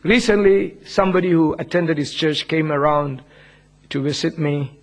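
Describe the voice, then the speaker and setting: A man's voice: fairly high pitch, moderate pace. A man from India with an Indian accent and a Southeast Asian touch, preaching a humble, earnest sermon with frequent chuckles. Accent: Indian, with some Southeast Asian. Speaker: pastor. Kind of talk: sermon, personal testimony.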